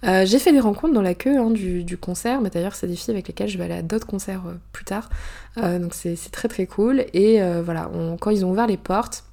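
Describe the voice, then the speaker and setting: A young woman from France, an author, chatting through a personal story in a casual monologue, full of hesitations, fillers and quick asides. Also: medium pitch, gravelly, warm tone.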